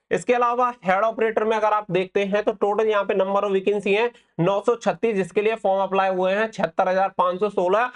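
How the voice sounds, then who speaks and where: A man hosting an exam-prep update, explaining things to students step by step and repeating key points. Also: high voice. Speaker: exam-prep channel host.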